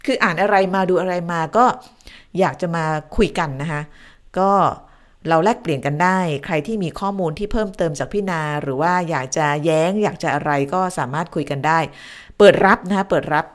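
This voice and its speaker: A woman's voice: fairly low pitch, a little fast. A woman hosting a news live stream from home, summing up the news and then chatting with viewers and thanking them by name. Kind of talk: casual live-stream news talk, reading viewer comments.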